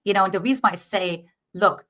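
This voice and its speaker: Speaking fast in a bright, forceful, mid-range voice, this East German dating coach, middle-aged and German-accented, earnestly explains her ideas during an interview, frequently checking in with "right?"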